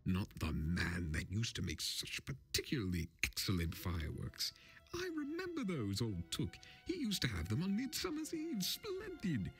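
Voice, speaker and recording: A man voicing a polite, fussy, excitable hobbit gentleman in a storybook reading, prim and chatty with eager exclamations. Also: mid-range voice, moderate pace, pitched above the performer's own voice. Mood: amazed, excited. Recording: film score music underneath.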